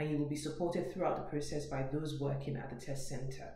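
In a room with audible echo, a woman talks with a very deep, low pitch and fairly even intonation. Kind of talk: public information statement. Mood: calm and earnest. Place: home room. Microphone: webcam.

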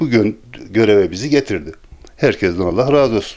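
The man's speech shows ordinary pitch variation. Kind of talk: interview answer. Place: home room. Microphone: handheld.

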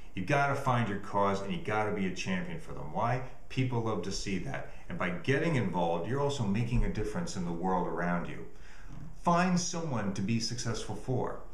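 A man talks at a fairly quick pace. Audible echo fills the room. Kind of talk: casual vlog talk, like a motivational talk. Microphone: webcam.

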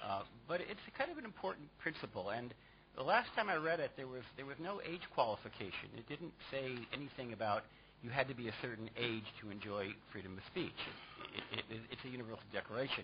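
Very fast and lively in intonation, a man with an American accent speaks at a medium pitch. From United States. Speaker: panelist, former sociologist. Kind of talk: panel discussion. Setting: conference room with audience.

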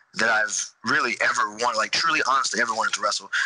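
A man speaks over loud background noise. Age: 30s. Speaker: professional wrestler; interview guest. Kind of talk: casual interview. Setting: video call. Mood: relaxed, reflective. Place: home room. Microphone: headset.

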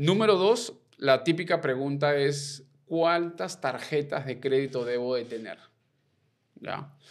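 Speaking at a very slow pace, the man has a fairly high pitch. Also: ordinary pitch variation, quiet background. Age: 40s. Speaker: financial mentor and network marketer; podcast guest. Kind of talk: interview conversation. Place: studio. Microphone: studio mic.

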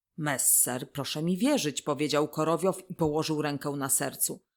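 A woman speaks with a very deep, low pitch. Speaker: audiobook narrator. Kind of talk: audiobook narration of a novel, read aloud in a literary style. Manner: measured, expressive storytelling that slips into character voices for dialogue.

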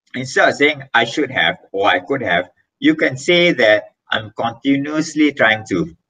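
Using a bright, sharp tone with vocal fry, a man talks at a fairly slow pace with lively intonation. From Malaysia. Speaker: motivational speaker and trainer; webinar speaker. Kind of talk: webinar talk. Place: home room. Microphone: webcam.

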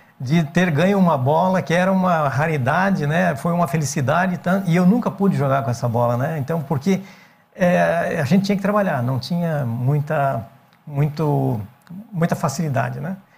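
This man's fairly high voice moves at a moderate pace with ordinary variation in pitch. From Brazil, Paraná (Cruzeiro do Oeste); Paraná, Brazil. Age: 60s. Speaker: retired agronomist; interview guest. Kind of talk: interview. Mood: relaxed, reminiscing. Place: studio. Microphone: lapel.

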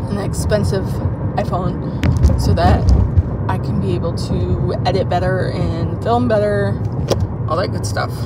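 A woman's fairly slow speech with long, frequent pauses, dry and echo-free sound, and loud background noise. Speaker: mom vlogger. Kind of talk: casual vlog chat. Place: car. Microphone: phone near.

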